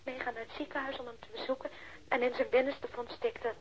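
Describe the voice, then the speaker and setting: An actress playing a guarded middle-aged policeman's widow in a radio drama, answering haltingly and reticently. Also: fairly high pitch, level tone, lo-fi sound, natural voice. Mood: guarded, hurt. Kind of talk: naturalistic radio drama acting.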